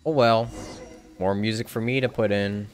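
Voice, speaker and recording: A man's voice: fairly low pitch, fairly even intonation, normal speed, a little hiss or hum. A man giving casual, offhand and jokey live commentary while streaming a game.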